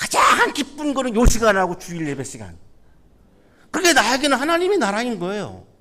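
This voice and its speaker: Amid noticeable background noise, the speaker uses a raised, projected voice in an animated tone. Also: man. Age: 60s. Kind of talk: sermon. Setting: church.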